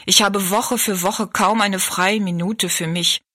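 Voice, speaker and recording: A woman's voice: mid-range voice, fairly even intonation, unhurried, sharp tone. A woman voicing a tired, bitter young kitchen maid who speaks bluntly and complains in a storybook reading. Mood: weary.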